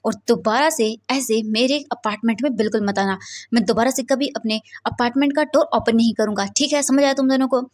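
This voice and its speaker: A strict, irritable male professor snaps out orders in a read-aloud story, as a woman narrator voices him. His lines are curt and scolding. The voice is fairly high. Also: brisk, close to an everyday voice. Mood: stern. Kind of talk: storytelling fan-fiction reading.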